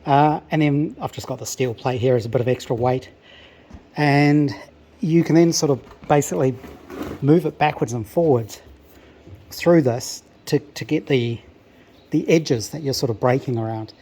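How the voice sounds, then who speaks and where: Slightly hoarse man explaining his workshop. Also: mid-range voice, normal speed, slight background noise. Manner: relaxed, explanatory, many ums and restarts. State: slightly hoarse, a little breathless. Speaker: car restoration vlogger. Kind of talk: casual workshop walkthrough. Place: home workshop.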